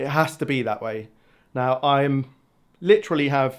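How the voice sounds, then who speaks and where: A man with an English accent speaks at a moderate pace and medium pitch with fairly even intonation, in a very clean recording with a silent background. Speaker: guitar YouTuber. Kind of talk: casual vlog.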